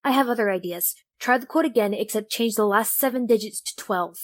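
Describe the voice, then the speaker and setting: A woman's voice: on the high side, brisk, lightly acted. A woman playing an earnest, inventive young tinkerer in an audio drama, explaining things conversationally. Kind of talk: amateur audio drama acting.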